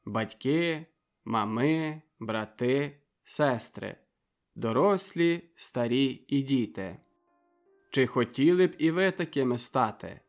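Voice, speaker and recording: A man's voice: medium pitch, expressive, slow. A young villager makes a rousing, declamatory speech to his neighbours, read by a man. The voice sits mid-range with faint music underneath. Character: young male villager giving a fiery speech.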